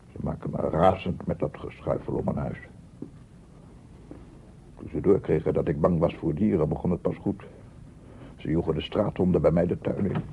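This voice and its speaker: An actor playing a paranoid, embittered amateur sound researcher in a theatrical radio drama monologue, muttering and proclaiming. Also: male voice, rumbling low, gravelly. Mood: bitter, irritated. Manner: theatrical, muttering to himself, repeating words, swelling into proclamations. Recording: muffled narrow-band old radio recording, noisy.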